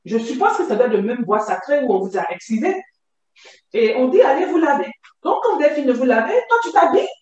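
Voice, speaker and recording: Woman, high lively voice, testimony, recorded far off in a very echoey space. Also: fast, highs cut off. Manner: vivid, animated retelling. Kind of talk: personal testimony. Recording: very echoey, distant from mic.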